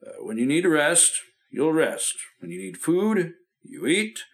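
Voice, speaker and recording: A reassuring radio-drama doctor, gently firm with his patient; voice a touch high. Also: very animated, slow pace. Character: calm reassuring male family doctor. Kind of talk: 1950s radio drama acting.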